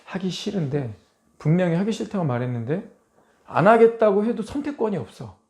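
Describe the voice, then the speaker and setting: A man preaching a sermon with a somewhat high voice. He tells the story with animation and jumps into quoted voices as he goes, changing his tone for each character. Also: sing-song, a little fast, a little mellow. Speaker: pastor.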